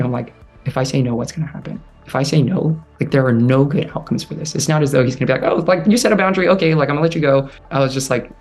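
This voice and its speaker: Soft-spoken man telling a hard story. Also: medium pitch. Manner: halting, heavy use of "like", restarts; soft, drops quieter when recalling inner thoughts. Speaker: storyteller guest. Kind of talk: personal storytelling interview.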